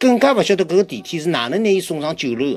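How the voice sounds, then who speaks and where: A very fast, animated male voice, high in pitch, with very wide pitch swings. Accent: Shanghainese. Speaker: audiobook narrator. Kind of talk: dramatic narration of a novel, reading aloud in Shanghainese. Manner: animated, emotionally charged storytelling, tense and quickening at climactic moments; shifts pitch and tone to voice characters, e.g. a shrill coy woman.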